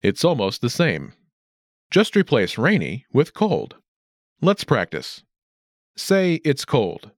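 Male instructional narrator, mid pitch, animated intonation, careful enunciation, dry close recording. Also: slow pace, pauses often, dry recording. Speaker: language lesson narrator.

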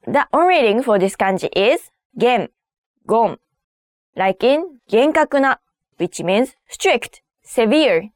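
A high-voiced woman presents a language lesson with bouncy, highly animated intonation. She sets out each word separately, like a presenter working from a script. The sound is close and dry. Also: slow pace, no room sound. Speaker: host of a kanji lesson series.

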